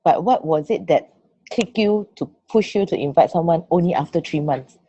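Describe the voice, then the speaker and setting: A woman's voice: lowish voice, normal speed, dark tone, slightly rough, dry recording. A woman hosting an interview on a team call, encouraging the guest with frequent short "mm" and "okay, okay" replies. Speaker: interviewer host. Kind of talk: casual interview. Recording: dull lo-fi call audio.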